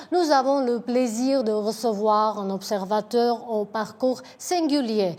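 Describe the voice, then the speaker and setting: A woman's voice: on the high side, a little mellow. A woman hosting an interview, reading a formal scripted introduction before asking questions. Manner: formal, composed delivery. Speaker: interview host.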